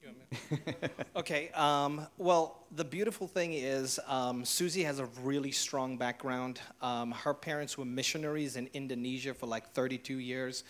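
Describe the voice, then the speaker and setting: A man's voice: medium pitch, fairly even intonation, moderate pace, a bit bright. A man in his forties, a guest telling personal stories with lots of animation and laughter. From South Africa. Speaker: interview guest.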